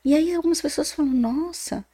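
A Brazilian psychologist speaks as a podcast guest at a moderate pace, her fairly high voice swooping up and down with a gravelly fry underneath. She is animated, acts out quoted voices, and keeps checking in with listeners through frequent "né?" tags, in a Brazilian Portuguese accent.

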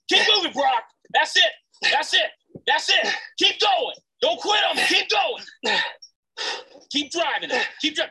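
A man's voice: extremely high pitch, sharp tone, exaggerated voice, rough recording. An actor playing a demanding American male football coach, urging players on in commanding, repetitive gym bro bursts. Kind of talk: film drama, gym bro motivational coaching. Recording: film soundtrack with faint music.

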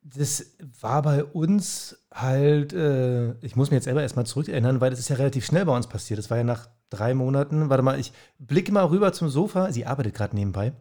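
A man's voice: mid-range voice, a little fast, few pauses, warm tone. A man co-hosting a casual chat who talks hesitantly and searches for his words. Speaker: podcast co-host.

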